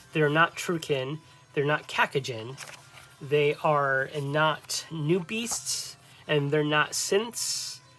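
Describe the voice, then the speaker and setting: The speaking goes very slowly while music sounds behind it. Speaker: solo tabletop roleplaying game streamer. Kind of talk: solo game session narration. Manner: halting, stumbles on words starting with A.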